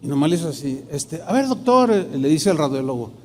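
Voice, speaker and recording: A man's voice: fairly high pitch, big pitch swings, fairly quick, slight background noise. A middle-aged man, a pastor telling a personal testimony in a sermon, acting out the dialogue in shifting tones. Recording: long hall reverb.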